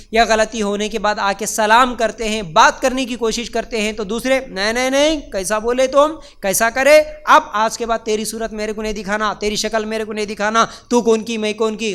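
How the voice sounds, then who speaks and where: Man giving a sermon, really high voice, keeps repeating himself and asking questions. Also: fairly bright tone, smooth. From India. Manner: emphatic and repetitive, with rhetorical questions. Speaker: preacher. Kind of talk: religious lecture.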